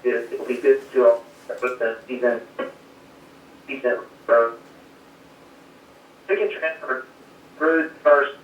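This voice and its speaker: A man's voice: mid-range voice, slow, long pauses. Man, 30s, calling in remotely, phone line breaking up, echoey distant sound, modest easygoing tone. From South Carolina, USA. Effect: calling in remotely over a phone line that breaks up and fades. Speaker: guest, race crew chief. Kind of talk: casual interview answers. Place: at home.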